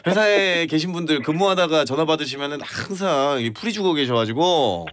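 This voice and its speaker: A man's voice: fairly high pitch, expressive, a little fast, a bit bright. A man hosting a radio phone-in quiz in a playful, exclamatory, teasing way. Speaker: radio quiz show host.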